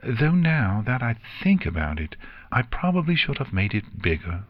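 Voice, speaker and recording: Man voicing Sweetie Belle, a high chirpy little filly. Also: very animated, normal speed, no room sound, highs cut off, close to an everyday voice. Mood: earnest, cheerful. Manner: chirpy, earnest.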